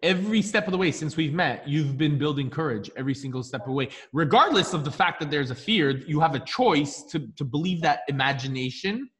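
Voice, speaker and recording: A man's voice: a little high, lively intonation, fairly quick, few pauses, a bit bright, long reverb tail. A man with a Canadian accent coaching a client, asking encouraging questions and often restarting his sentences. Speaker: mindset coach. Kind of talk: coaching session conversation.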